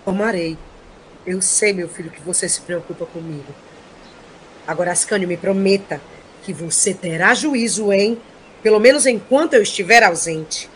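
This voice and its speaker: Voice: mid-range voice, normal speed, a little hiss or hum, close to an everyday voice, rough recording. An actor with a Brazilian accent playing an earnest, nagging heroic father in an audio drama. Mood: admonishing. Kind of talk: comic audio drama acting.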